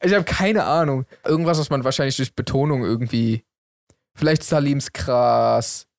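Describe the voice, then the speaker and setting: A young man co-hosting a casual chat, relaxed and joking as he explains a game. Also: mid-range voice, normal speed, vocal fry, no echo, clean studio sound. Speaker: podcast co-host.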